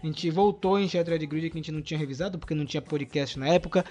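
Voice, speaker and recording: A man's voice: a little high, fast talker, darkish tone, muffled recording, faint music behind. A Brazilian man co-hosting a podcast in casual chat, reading a listener's email aloud with eager emphasis. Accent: Brazilian Portuguese. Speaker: podcast co-host.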